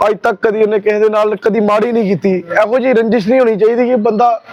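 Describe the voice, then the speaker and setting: High, flat-toned Punjabi man. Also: fast. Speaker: victim's relative, interviewee. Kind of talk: news interview testimony. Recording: dull, muffled field recording.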